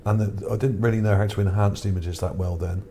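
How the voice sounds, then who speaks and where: Fairly low and dark in tone, his steady voice moves quickly as he presents pictures he dug up for his video. The remarks are relaxed and improvised, pondering and a bit unsure, over audible background noise.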